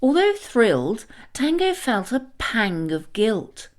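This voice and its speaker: A woman narrating a scripted children's story in a dramatic, expressive manner. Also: fairly high pitch, slow pace.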